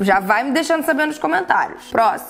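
A woman is speaking. Her intonation is lively. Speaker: youtuber. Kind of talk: reaction video commentary. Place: home room. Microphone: lapel.

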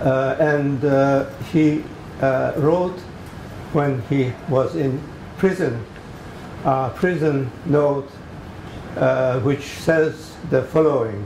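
A man with a Japanese accent speaks at a very slow pace, with fairly high pitch, ordinary pitch variation and long, frequent pauses. Light background noise and audible room echo are present. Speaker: professor. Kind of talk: conference talk. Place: meeting room. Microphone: podium.

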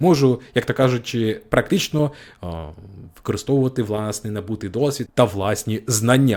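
A normal speaking voice from a man, medium in pitch with ordinary pitch variation, at a moderate pace on a very clean recording with a silent background. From southern Ukraine, Mykolaiv. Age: 20s. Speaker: political analyst, YouTuber. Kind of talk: monologue to camera, autobiographical. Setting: home studio, mic in front.

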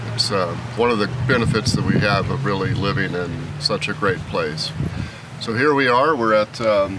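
A man's moderate pace comes through a dry sound with no echo, despite loud background noise. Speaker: hiker vlogger. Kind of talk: casual vlog chat. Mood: upbeat, relaxed. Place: forest. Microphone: phone near.

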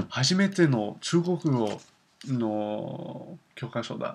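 Over loud background noise, a man speaks with very wide pitch swings. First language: English (speaking Japanese). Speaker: language learner vlogger; Japanese learner vlogger. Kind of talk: casual video diary. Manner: halting, many fillers. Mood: cheerful, smiling. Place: home room. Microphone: webcam.

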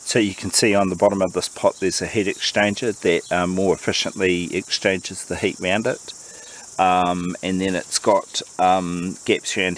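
Recorded dry with no echo, a man's very deep, low voice carries fairly even intonation. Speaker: outdoor gear reviewer. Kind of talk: casual product demonstration. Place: open country.

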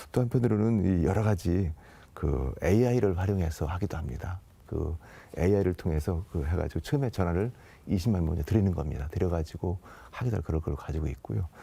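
A man speaks at a moderate pace in a very deep, low voice with a dark, mellow tone and lively intonation. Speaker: government vice minister. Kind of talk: TV interview, policy explanation. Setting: TV studio. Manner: frequent fillers and hesitations.

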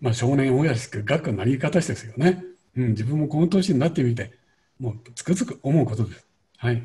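The voice has a dark, mellow tone and is somewhat breathy. The background is quiet. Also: man, lively intonation, fairly quick pace. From Japan. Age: 70s. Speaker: painter, watercolour teacher. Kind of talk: interview answer. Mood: warm, smiling, gentle. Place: home room. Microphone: studio mic.

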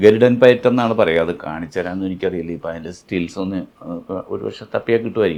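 A man's fairly low voice carries vocal fry. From Kerala, India (Chembu, Vaikom, Kottayam). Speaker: actor and vlogger. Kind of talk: personal reminiscence vlog.

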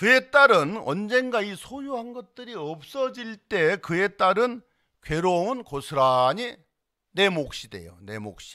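A man's raised, projecting voice, high for a man, at a very slow pace, with very wide pitch swings, big swings in loudness and a quiet background. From Korea, Chungcheong (Gongju); Chungcheong, Korea. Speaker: Buddhist monk leading a Sunday service. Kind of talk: dharma talk. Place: hall. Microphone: studio mic.

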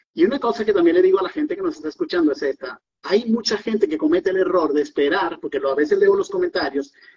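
The speaker talks at a very fast pace with very wide swings in pitch. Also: man, quiet background. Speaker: mentorship student testimonial; guest. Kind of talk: interview testimonial. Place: home room. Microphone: webcam.

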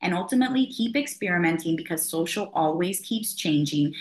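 A woman with an American accent speaks at a fairly low pitch. Her pace is moderate, and the background is quiet. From US Northeast, Philadelphia. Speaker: travel content creator. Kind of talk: podcast interview. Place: home room. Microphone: webcam.

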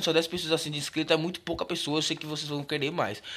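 A man's high-pitched, bright, sharp voice, very fast, with fairly even intonation. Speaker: gaming YouTuber. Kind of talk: casual gameplay commentary.

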